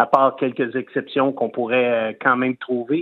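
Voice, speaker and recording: A man with a Quebec accent talks at a fairly slow pace in a medium pitch, his intonation monotone and flat. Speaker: mayor. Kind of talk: interview.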